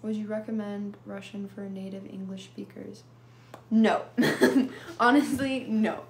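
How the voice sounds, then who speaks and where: Slow-talking young woman on a livestream. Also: mid-range voice, fairly even intonation, vocal fry, roomy sound, slight background noise. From California. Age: young adult. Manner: casual, drowsy, answers viewers in short bits. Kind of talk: live stream chat reading comments. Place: small room indoors. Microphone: phone held close to face.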